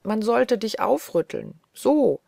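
A woman's voice: medium pitch, unhurried, gravelly, a little mellow, dry recording, studio quality. A woman voicing a weary, agitated young woman doctor who talks in restless, pleading chatter. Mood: tender.

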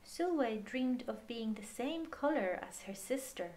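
A woman reading a picture book aloud to children in a measured, expressive way with pauses. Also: fairly high pitch, loud music behind the voice. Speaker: storyteller.

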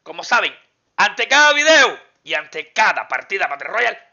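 Excitable high-voiced gamer. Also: male voice, normal speed, creaky, highs cut off. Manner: exclamatory, talks to viewers and enemies while playing. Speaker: mobile game streamer. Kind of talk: excited gameplay commentary.

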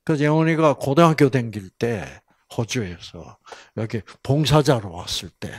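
A man's voice: medium pitch, expressive, moderate pace, a little mellow, no room sound, clean studio sound. An older man giving a Bible lecture in storytelling style, acting out voices and asking his audience questions.

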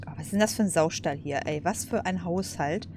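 A woman's voice: on the low side, a little fast, noisy background. A woman casually commenting over a game, chatty, laughing and cursing at setbacks. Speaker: let's play host.

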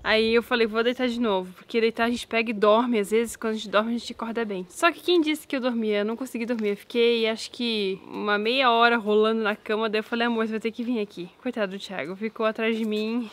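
A woman's voice: a little high, steady tone, quick pace, few pauses. A young pregnant woman chatting outdoors to her viewers in a casual vlog, anxious, repeating words as she talks. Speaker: vlogger. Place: outdoors in a garden.

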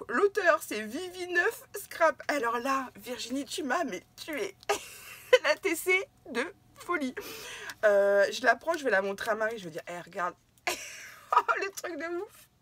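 A woman's voice: sits high, a bit bright, slightly rough. A middle-aged woman chatting casually while unboxing crafts for her viewers, effusive and often laughing through tears. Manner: laughing and tearful, effusive exclamations. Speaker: scrapbooking vlogger unboxing a swap.

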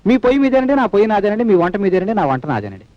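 A simple-hearted police constable with a high, animated voice that rattles along. He repeats himself endlessly and honors everyone he speaks to. The sound is dull and lo-fi, with film music behind. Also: racing, no echo. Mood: earnest. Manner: polite, repetitive, adds honorifics to every phrase. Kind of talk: 1980s film dialogue.

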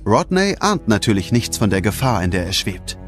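Lively male German storyteller over music. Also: on the low side, normal speed. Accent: standard German. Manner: dramatic storytelling. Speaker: narrator. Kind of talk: scripted children's story narration. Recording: music behind the voice.

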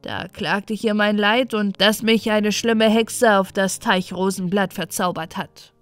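A woman's voice: medium pitch, steady tone, unhurried, clean tone, no echo, soft background music, natural voice. A woman voicing a tiny enchanted male pond dwarf in an earnest, sing-song storybook manner. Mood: eager.

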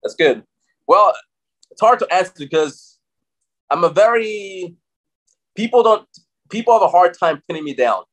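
A young man with an American accent, raised in Austria, speaking over a video call. He talks with energy and confidence, in a relaxed way that sounds like a casual chat. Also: high voice, normal speed, long pauses, rough recording. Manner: energetic, confident, says bro a lot. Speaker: guest. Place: bright room with large windows.

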